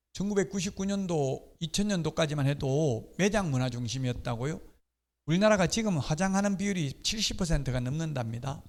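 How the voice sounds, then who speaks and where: A middle-aged man teaches real estate law in an exam-prep lecture. His voice sits a little high, and he explains patiently with offhand personal remarks. The recording carries a long reverb, as in a lecture hall. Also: a little mellow. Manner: explanatory, with casual personal asides.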